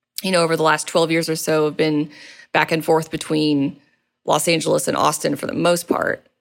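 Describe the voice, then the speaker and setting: A woman speaks with vocal fry at a fairly low pitch, recorded very cleanly against a silent background. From Arkansas, Little Rock area (Maumelle). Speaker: film producer. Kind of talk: interview conversation.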